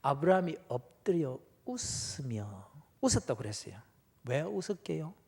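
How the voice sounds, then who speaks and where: A pastor preaching a revival sermon in a church, telling the story dramatically with rhetorical questions. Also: male voice, a little high, very animated, normal speed, gravelly, a little mellow, breathy edge.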